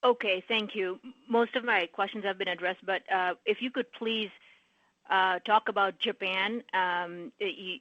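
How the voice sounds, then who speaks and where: A woman asking questions as a financial analyst on an earnings call, halting and stammering over her phrasing. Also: medium pitch, bright, forceful tone, no echo. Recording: dull, band-limited phone-in audio.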